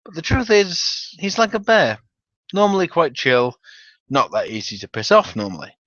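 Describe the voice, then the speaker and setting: Male narrator, theatrical and wry storytelling, very lively pitch, slightly muffled home recording. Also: moderate pace. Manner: theatrical, animated, wry delivery with profanity. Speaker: narrator reading a story aloud. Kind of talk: dramatic reading of a humorous tabletop gaming story. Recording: dull, roomy home recording.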